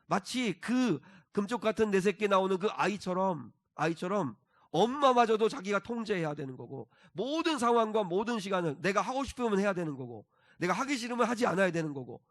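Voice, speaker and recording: A middle-aged man preaching a sermon as a pastor, building to emphatic peaks and slowing to repeat key phrases. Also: high-pitched, expressive.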